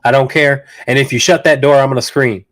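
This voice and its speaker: A man's voice: medium pitch, fairly even intonation, brisk, fairly bright tone, close to an everyday voice. A man voicing a pushy, spoiled young dog, with whiny, insistent speech and a stuffy voice from a cold. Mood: demanding.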